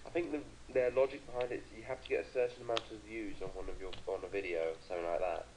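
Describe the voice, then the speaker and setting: Co-host: British man, low-set voice, dry teasing wit, faint hiss behind. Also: steady tone, very fast, darkish tone, poor audio. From Britain. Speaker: co-commentator on a call. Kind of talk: casual chat.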